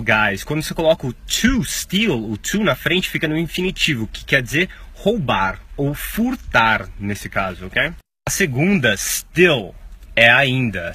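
A young man with a Brazilian accent giving a casual pronunciation lesson, repeating words slowly to show the sounds. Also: mid-range voice, pushed and bright, husky. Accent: Brazilian Portuguese. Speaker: English teacher.

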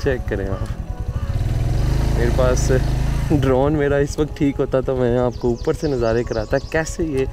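A chatty man in his thirties with a Pakistani Urdu accent, talking to his viewers in a travel vlog with easy enthusiasm. His voice sits at an ordinary mid pitch. Loud wind and engine noise run under it, recorded outdoors on a camera held at arm's length and then fixed to a helmet. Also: measured pace, pauses often. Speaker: travel vlogger. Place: outdoors in a mountain forest, later riding a motorbike on a mountain road. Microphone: handheld camera at arm's length, then helmet-mounted camera.

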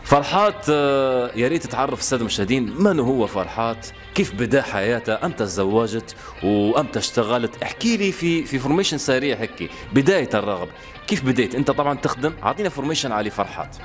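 Brisk Libyan male TV interviewer. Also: medium pitch, animated, soft background music. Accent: Libyan Arabic. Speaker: TV host and interviewer. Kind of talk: street interview and show intro.

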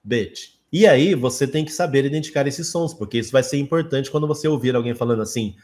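Man from Brazil, English teacher, casual lesson, talks things through, mid-pitched voice. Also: a little mellow. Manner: explanatory, repeats example words slowly.

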